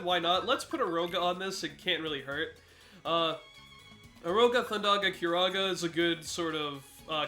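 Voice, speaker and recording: A congested gaming commentator with a high, sharp-toned voice does let's play commentary. He walks viewers through a boss fight step by step.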